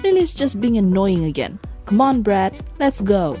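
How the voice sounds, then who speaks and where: A woman's voice: medium pitch, big pitch swings, normal speed, natural voice. A woman plays a prickly tsundere young woman in a comic dub. She is snappish and easily embarrassed, with faint music behind. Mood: irritated.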